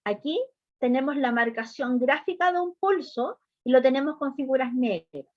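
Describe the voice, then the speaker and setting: Woman, music teacher, high voice, patient step-by-step lesson, checks understanding often, dull lo-fi sound. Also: animated, moderate pace, no room sound. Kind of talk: online class lesson.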